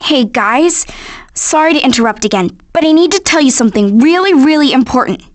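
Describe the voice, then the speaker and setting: A sassy American teenage girl, a cartoon animal in a video game. The voice is fairly high, with a casual know-it-all delivery. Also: animated, a little fast, no echo. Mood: urgent.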